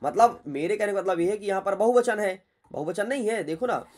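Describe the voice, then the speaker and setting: Man, teacher, higher-pitched voice, blunt, chatty exam walkthrough. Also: a little fast, darkish tone. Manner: blunt, scolding and chatty with students. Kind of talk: exam paper walkthrough lesson.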